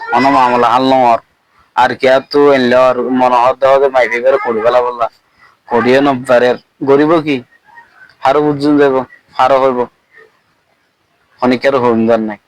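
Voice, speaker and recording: A man's voice: mid-range voice, dry recording, poor audio. A man with a Rohingya accent giving informal, colloquial spoken commentary, repeating phrases for emphasis.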